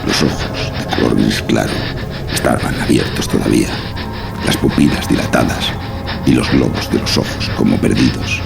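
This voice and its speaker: A man narrating a horror story in a dramatic audiobook style, with a very deep, gravelly voice. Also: moderate pace, over music.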